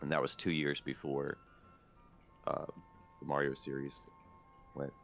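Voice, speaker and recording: A man's voice: very deep voice, monotone, a little slow, fairly bright tone, soft background music. A man on a casual podcast, dropping short, terse remarks about games. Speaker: podcast co-host.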